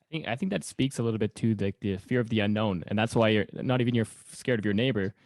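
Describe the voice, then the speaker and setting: A man with a slightly low voice hosts a casual podcast interview. He talks quickly and chattily. The sound is dry, without room echo. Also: a little mellow. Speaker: podcast host.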